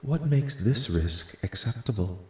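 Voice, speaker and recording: A man voicing a calm, curious alien in an ASMR roleplay, speaking softly with formal, detached, precise wording. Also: mid-range voice, unhurried, roomy sound, natural voice. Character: calm, curious, clinical male alien studying human dreams. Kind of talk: soft-spoken ASMR roleplay, scripted.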